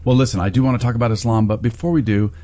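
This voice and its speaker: A man's voice: medium pitch, fairly even intonation, rapid-fire, dark tone, dry recording. An older man hosting a Christian radio interview, chatty and affirming. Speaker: radio host, former university president.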